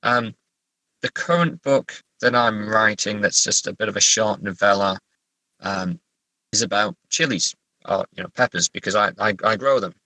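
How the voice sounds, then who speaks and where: A man talking casually as a writer being interviewed, halting as he thinks aloud. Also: on the low side, sharp tone, no room sound, rough recording. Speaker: writer, podcast guest. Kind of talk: casual interview chat about writing.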